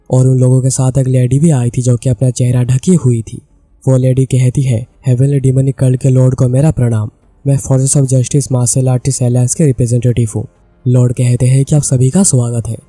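A man with an Indian accent narrating a comic story recap, voicing the characters' lines in his own steady voice. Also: mid-range voice, husky, no room sound. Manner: steady retelling, reads characters' lines in the same voice. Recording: dry close recording with soft background music.

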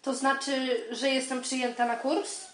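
An actress plays an eager young female army recruit in a radio comedy. Her high voice gives brisk, obedient replies with a straight face. The home recording sounds clearly roomy. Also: flat delivery, a bit bright. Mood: eager, deadpan.

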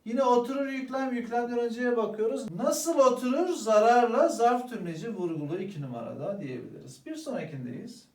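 A man's voice: extremely high pitch, fairly quick, few pauses, recorded from a distance. A man teaching an exam-prep grammar lesson, speaking to the students as friends and answering his own questions. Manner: lively, addresses students as "arkadaşlar", asks and answers own questions. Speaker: Turkish language teacher. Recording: roomy echo, voice a bit off-mic.

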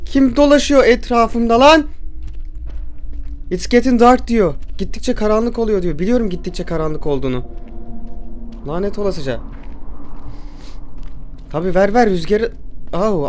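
A man's voice: sits high, lively intonation, normal speed, pauses often. A man commentating a horror game as he plays, easily startled, talking back to the game with joking curses. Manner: jumpy, talks back to the game, jokey swearing. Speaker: gamer playing a horror game.

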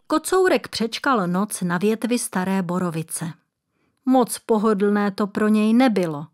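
A woman narrating a children's audiobook in a calm, gentle storytelling voice. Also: mid-range voice.

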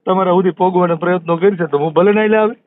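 A man's voice: sits high, fairly even intonation, rapid-fire, slight background noise. A man with a Kathiawadi Gujarati accent chatting casually on a phone call. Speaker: community activist. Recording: muffled lo-fi phone call recording.

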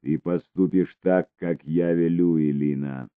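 A man's voice: sits low, fairly even intonation, measured pace, no room sound. A man doing a barking, domineering man. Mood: angry. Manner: barking, commanding. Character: domineering, hot-tempered man. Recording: tinny phone-like recording.

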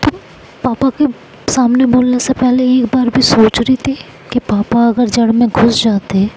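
A woman's voice: on the high side, little pitch movement, unhurried, background noise, natural voice. A woman voicing a young college student who lectures her partner in an exasperated tone, in an audio story. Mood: scolding.

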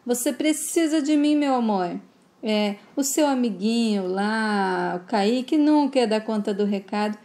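A woman's voice: a little high, lively intonation, measured pace, dark tone. A woman retelling a soap opera scene, quoting a coaxing, scheming man in her own voice. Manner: coaxing, wheedling. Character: smooth-talking scheming man, flirtatious and pushy.

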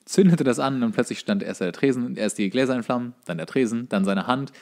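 A man's voice: medium pitch, lively intonation, fairly quick, a little mellow. A young man co-hosting a podcast, recounting bar anecdotes casually and colloquially, often repeating words as he goes. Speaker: podcast co-host.

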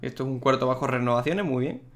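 Spanish guy doing a let's play, mid-pitched voice, chatty, reacts to everything, quiet game music behind. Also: fast talker. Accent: Spain. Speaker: gaming youtuber.

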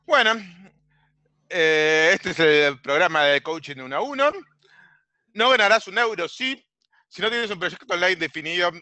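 Argentine guy in his 40s teaching an online class, slow and halting, crisp clear voice, dry sound. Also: fairly high pitch, pushed and bright, no room sound. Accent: Rioplatense Spanish. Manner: halting, many fillers and repeated words. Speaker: online business coach. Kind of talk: virtual class presentation. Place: home room on a video call.

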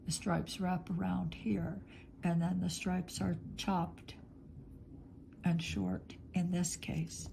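A middle-aged woman teaching clay work in her home studio, talking slowly as she thinks aloud, a little sniffly. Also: fairly low pitch, little pitch movement, creaky, mellow, a little hiss or hum, poor audio. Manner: slow, thinking aloud while working with her hands. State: sniffly, congested. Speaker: polymer clay artist teaching. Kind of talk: relaxed studio demonstration. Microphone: overhead camera on hands, speaker off screen.

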